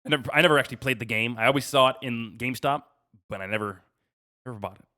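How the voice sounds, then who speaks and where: Bright-voiced man chatting on a podcast. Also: medium pitch, racing. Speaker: podcast co-host running a quiz game. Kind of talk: casual podcast chat.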